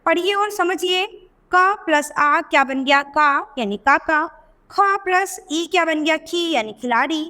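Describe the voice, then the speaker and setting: A woman teacher patiently explaining vowel signs to young children, often asking questions and drawing out sounds slowly. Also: high-pitched, pushed and bright, in a large hall. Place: teaching video voice-over.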